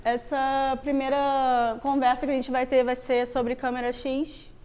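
A woman's voice: sits high, level tone, unhurried, darkish tone. A young woman with a Rio de Janeiro Brazilian accent giving an informal tech talk in a casual, conversational manner. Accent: Rio de Janeiro (carioca) Brazilian. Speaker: Android developer, meetup speaker. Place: meetup room with wooden floor, on stage before a screen.

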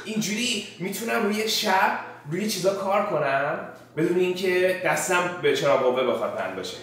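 A man's voice: high voice, animated, noisy background. A man, chatting casually as he shows camping gear to the camera. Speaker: vlog guest showing his camping gear. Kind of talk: casual chat, showing items to camera. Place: bright hard-walled kitchen indoors. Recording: very echoey room, music behind.

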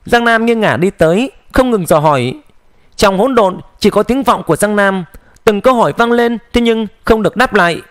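A man narrating a fantasy audiobook in a steady, measured storytelling voice, close to the mic. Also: high-pitched, dry recording.

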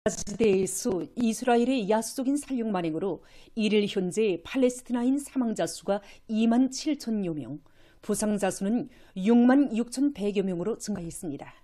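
Soft-toned North Korean woman news announcer. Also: mid-range voice, expressive, normal speed. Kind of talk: scripted news narration.

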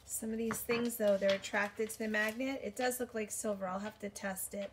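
A woman's voice: mid-range voice, fairly even intonation, normal speed, noisy background. A woman in her forties, chatting casually and thinking aloud with many ums as she sorts jewelry in her bedroom, recorded by a camera at desk distance. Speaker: vintage jewelry reseller. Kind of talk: casual show-and-tell haul video. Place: bedroom, indoors.

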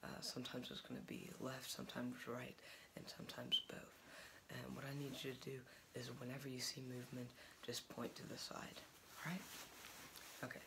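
A man's voice: mid-range voice, monotone, normal speed, vocal fry, very noisy. Young man whispering a doctor roleplay. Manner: soft, part-whispered, hesitant instructions. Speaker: ASMR creator playing a doctor. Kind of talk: ASMR roleplay. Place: small home office, indoors.

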